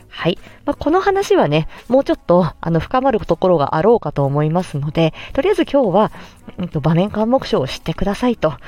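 Lively gentle Japanese woman explaining. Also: medium pitch. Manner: gentle explanatory, many fillers. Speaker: speech-language therapist and podcast host. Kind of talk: solo podcast talk.

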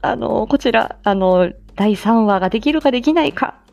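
On a livestream with slightly dull audio and faint music, a voice actress talks casually about her drama, laughing often and using plenty of fillers. Her voice sits on the higher side, expressive and a bit gravelly yet slightly mellow, at a moderate pace.

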